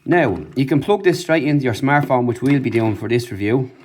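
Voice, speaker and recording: In a casual unboxing-and-review clip, a man talks informally through the product he's showing, off the cuff. His mid-range voice is expressive and darkish in tone, and he speaks a little fast.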